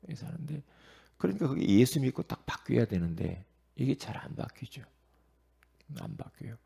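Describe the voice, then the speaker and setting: A man's voice: mid-range voice, sing-song, moderate pace, gravelly, dark tone, breathy edge. A man preaching an early-morning prayer sermon as pastor, asking the congregation questions and repeating his points for emphasis.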